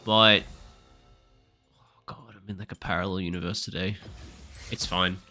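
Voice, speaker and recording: A man's voice: low-pitched, fairly even intonation, moderate pace, pushed and bright, soft background music. Chatty Australian man streaming and coaching. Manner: chatty, explains strategy while reading chat. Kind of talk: live game-stream commentary.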